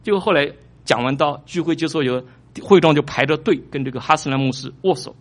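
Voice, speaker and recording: Pastor guy preaching, kinda high voice, gets loud and fired up, repeats himself a lot. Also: fast talker. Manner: animated preaching, surges louder and higher for emphasis; repeats phrases, small restarts. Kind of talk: sermon.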